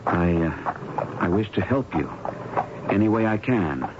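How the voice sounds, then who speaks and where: An actor playing an earnest, polite young doctor in a 1970s radio drama, slightly hesitant. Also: male voice, sits low, animated, a little slow. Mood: earnest, concerned. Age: young adult. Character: earnest young male doctor fresh from medical school. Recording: muffled, very noisy old radio broadcast.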